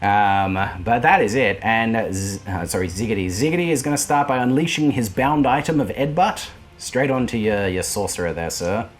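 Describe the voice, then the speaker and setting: An excitable man commentates his tabletop wargame in casual chat. His pitch moves a lot, leaping up at each surprise. He laughs often and talks to his opponent as he plays. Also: moderate pace. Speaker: wargame player and channel host.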